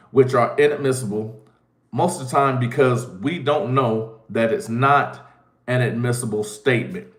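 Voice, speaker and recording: Male legal commentator with a stuffy nose, mid-pitched, casual explainer who stresses key phrases, recorded in a reverberant room. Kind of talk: explanatory legal talk to camera.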